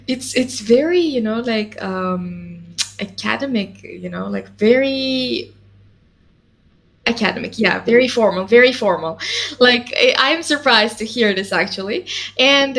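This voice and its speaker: Woman, language tutor, encouraging, fairly high voice, slow. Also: fairly bright tone. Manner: patient, encouraging, lots of mm-hmms and checks. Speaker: language teacher. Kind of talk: one-on-one language lesson.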